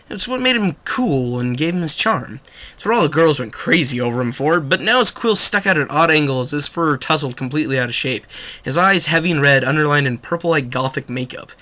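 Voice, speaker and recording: A man's voice: on the high side, pushed and bright. A man with a cold reading a fan story aloud in a casual way, sometimes stumbling over words. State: sick with a cold. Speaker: fanfiction reader.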